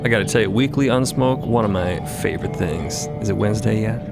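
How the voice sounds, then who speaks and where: A man's voice: on the low side, brisk, vocal fry. A man narrating a scripted audio drama in a dramatic, in-character storytelling style. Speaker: podcast narrator. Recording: loud music under the voice. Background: loud background music.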